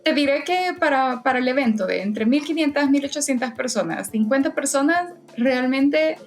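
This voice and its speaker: A woman's voice: sits high, normal speed, faint music behind. A woman guest in a casual interview, talking in a hesitant way with frequent fillers and restarts. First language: Spanish. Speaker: podcast guest, event volunteer.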